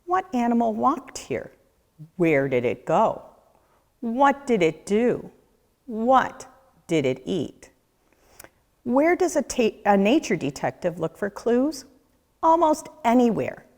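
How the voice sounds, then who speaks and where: A woman reading a children's picture book aloud as a nature educator, with a deliberate, questioning storyteller delivery. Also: fairly high pitch, very animated, a little mellow. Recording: echoey room with long reverb.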